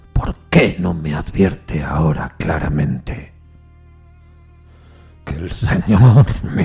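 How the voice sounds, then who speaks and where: Man performing as troubled railway signalman, earnest, deferential, haunted, hushed, heavily breathy, deep, audio fiction. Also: full character voice. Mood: desperate, pleading.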